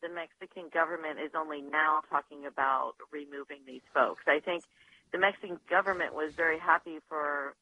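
A woman lawyer, a guest on a radio show, talking over the phone in a measured, analytical way with some hesitations. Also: sits low, steady tone, sharp tone. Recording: dull phone line, dry.

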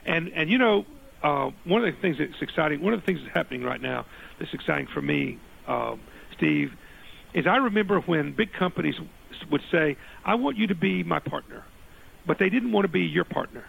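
A man hosting a radio interview in a rough, gravelly, hoarse voice, repeating phrases for emphasis. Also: fairly high pitch, animated, normal speed, fairly bright tone, low-quality recording. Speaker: radio talk show host.

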